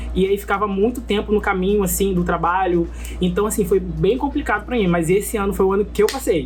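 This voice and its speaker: Background noise can be clearly heard. Over it, a woman talks rather briskly. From Rio de Janeiro, Brazil. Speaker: medical student. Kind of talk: casual testimony.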